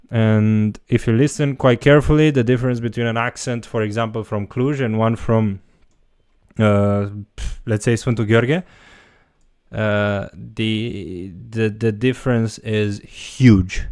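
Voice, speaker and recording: A man teaching a language answers viewer questions on a casual livestream, thinking aloud in a loose way as he goes. His voice is lowish with a clean tone, and the studio-quality audio has no room sound.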